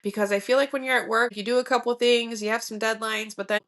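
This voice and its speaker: A woman's voice: a little high, steady tone, fast, a bit bright. A woman in her forties talking through family life as a podcast guest, reflective and full of fillers. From Michigan. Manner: reflective, many fillers like um and you know. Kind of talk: casual interview conversation.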